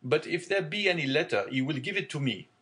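A man's voice: fairly high pitch, expressive, brisk, a bit bright, pitched above the performer's own voice. A man voicing a genial, fatherly middle-aged shipowner.

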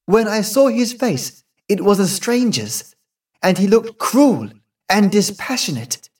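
A man's voice: sits high, animated, slow pace, a little mellow, breathy edge, distant mic, pitched above the performer's own voice, exaggerated voice. A male narrator voicing an anxious young woman who pleads and describes a ghost. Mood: frightened. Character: frightened young woman, the daughter.

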